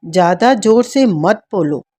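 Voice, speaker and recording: Storybook: hushed, urgent young noblewoman , read by a woman; slow, mellow. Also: mid-range voice, lively intonation. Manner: hushed, whispering.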